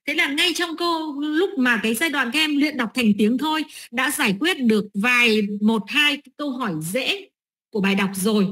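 A woman's voice: high voice, moderate pace, a bit bright. A middle-aged woman training teachers, explaining lesson steps with many fillers and "right?" checks.

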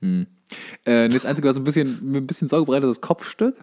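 A man's voice: mid-range voice, animated, quick pace, darkish tone. A young man co-hosting a podcast in casual banter, slipping in dry, joking asides. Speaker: podcast co-host.

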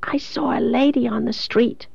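A woman's voice: sits high, a little slow, vocal fry, mellow, no echo, dull audio, voice pushed up. A woman voicing a dying young woman in an audiobook, childlike, plaintive and despairing, in a thin, faint voice. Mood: weak, secretive.

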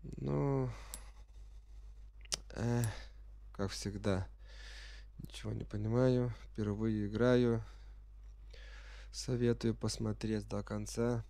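Sick male gamer, non-native speaker, hesitant first-timer, low-pitched, dry close sound. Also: steady tone, gravelly, dark tone, dry recording. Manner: halting, unsure, non-native speaker fumbling for words; reads game menu text aloud while puzzling over it. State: sick with a virus. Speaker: gamer playing on camera. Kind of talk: unprepared first-time gameplay commentary.

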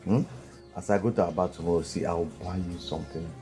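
A man's voice: sits low, steady tone, a little fast, music in the background. An actor with a Nigerian accent playing a doting father in a film drama, coaxing and repeating himself. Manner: coaxing, repetitive, ends phrases with questioning hums. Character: doting, indulgent Nigerian father coaxing his young daughter.

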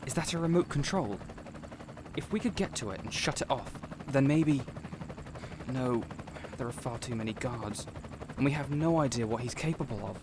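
A man playing an anxious, well-meaning but inept young would-be supervillain in an audio roleplay, flustered and quick to blame himself. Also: medium pitch, lively intonation, noisy background, lightly acted. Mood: panicked, hushed. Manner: flustered, self-blaming, urgent.

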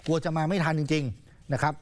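A male news anchor tells the story in a loose, conversational way, keeping it chatty and casual. His voice sits a little high, and his delivery is relaxed and talkative. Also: normal speed. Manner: casual, chatty, uses polite particles.

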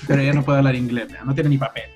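A young man with a Salvadoran Spanish accent, a podcast guest talking over a video call in relaxed, slangy chat. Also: medium pitch, rapid-fire, faint music behind. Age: young adult. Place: room at home, indoors. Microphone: video call with earphones.

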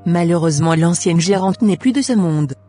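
A woman's voice: lowish voice, normal speed, mellow, soft background music, lightly acted. A woman voicing a polite, apologetic shop manager in an amateur Christian cartoon.

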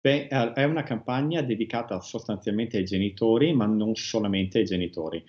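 A man speaking as an expert guest in a TV interview, measured and hesitant, with frequent restarts. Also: fairly low pitch, a little mellow, highs cut off. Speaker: guest expert on rare diseases. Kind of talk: TV interview answers.

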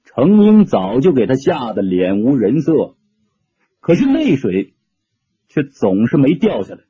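List: male audiobook narrator, expressive storytelling, raspy warm voice, dry dull lo-fi sound. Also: medium pitch, a little slow, no echo. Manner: expressive, shifting tone with the action.

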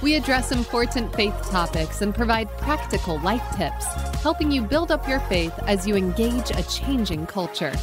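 A woman reading a scripted podcast introduction in a polished, even way. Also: fairly high pitch, moderate pace, few pauses. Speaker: show announcer. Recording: clear voice-over over loud music. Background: music bed.

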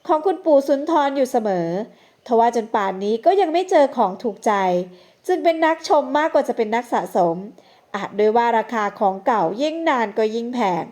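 High-voiced woman narrating a novel. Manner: measured, expressive storytelling. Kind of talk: scripted narration.

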